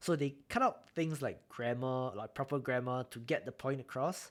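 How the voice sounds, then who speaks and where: With a Singaporean accent and ordinary pitch variation, a man speaks in a very clean recording with a silent background. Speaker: gaming YouTuber and streamer. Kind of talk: live stream chat. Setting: live stream. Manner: casual, conversational.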